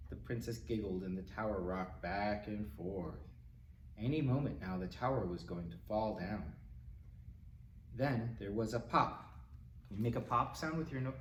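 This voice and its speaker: Animated man reading a storybook, distant mic. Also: on the low side. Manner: animated, dramatic, with exclamations and asides to children. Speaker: library storytime reader. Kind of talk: expressive children's picture-book read-aloud. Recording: roomy, distant mic, faint noise.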